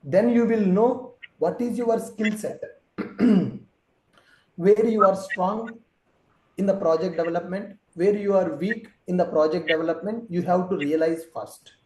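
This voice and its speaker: A man's voice: sits high, unhurried, a little mellow, roomy sound, a little hiss or hum, rough recording. A man teaching an online class as trainer, explaining patiently and step by step.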